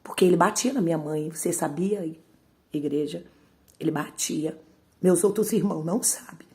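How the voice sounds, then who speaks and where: A woman, a missionary singer, gives an emotional testimony to a church congregation. She moves between hushed, trembling storytelling and loud, pleading outbursts, repeating phrases and leaning on tag questions. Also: on the low side, moderate pace.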